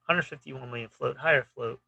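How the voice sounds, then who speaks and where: Gravelly, bright-voiced trading vlogger. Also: male voice, medium pitch, a little fast, dull audio. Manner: clipped, fragmentary phrases with frequent "you know". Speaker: stock trading channel host. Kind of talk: casual chart commentary.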